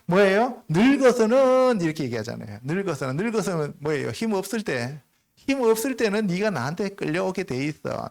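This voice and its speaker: A man's voice: high-pitched, vocal fry. Man preaching a conversational sermon. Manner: conversational preaching, frequent call-and-response asides. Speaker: pastor. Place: church sanctuary.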